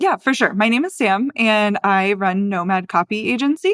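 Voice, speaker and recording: An unremarkable speaking voice from a woman with an American accent, fairly high in pitch, lively in intonation and fairly quick, in a dry, close sound with no echo. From United States. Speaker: copywriter. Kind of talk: casual interview chat.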